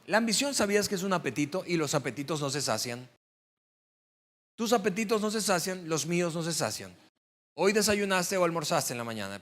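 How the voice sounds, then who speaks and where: A man's voice: fairly high pitch, a bit bright. A male pastor preaching a sermon to a congregation, talking conversationally and building up to emphatic stress on key words.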